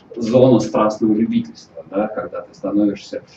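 A moderate pace, with light background noise and audible room echo. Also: man. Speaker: guest lecturer. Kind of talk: lecture. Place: meeting room. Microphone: camera far.

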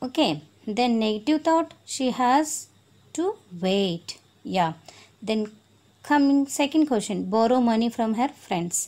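A woman's dark, mellow, fairly high-pitched voice at a very slow pace, broken by long, frequent pauses. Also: lively intonation. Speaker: life skills trainer. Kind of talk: lecture. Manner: hesitant with fillers.

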